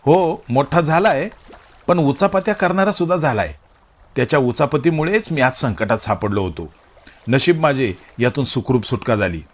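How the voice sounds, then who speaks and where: A man voicing an exasperated middle-aged father who grumbles and shouts with irritation and sarcasm. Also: medium pitch, animated, normal speed, lightly acted. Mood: sarcastic.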